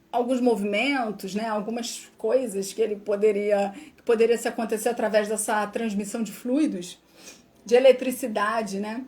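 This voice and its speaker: Animated and somewhat breathy, a woman speaks at a moderate pace with a fairly high pitch. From Rio de Janeiro, Brazil. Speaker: spiritist study teacher. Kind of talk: live-streamed study class. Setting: live stream.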